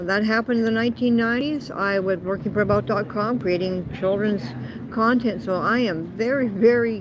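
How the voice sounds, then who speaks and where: Speaking at a moderate pace over noticeable background noise, a woman with a Canadian accent has a fairly high pitch. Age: 60s. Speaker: content creator livestreamer. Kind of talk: casual chat. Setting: outdoors at waterfront.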